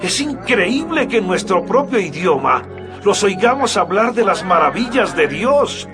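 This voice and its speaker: An actor playing an astonished Jewish pilgrim who exclaims in amazement in a dramatized audio Bible. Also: male voice, sits high, very animated, a little slow, heavily acted. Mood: amazed. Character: astonished Jewish pilgrim man marvelling in a crowd. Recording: crowd and music behind the voice.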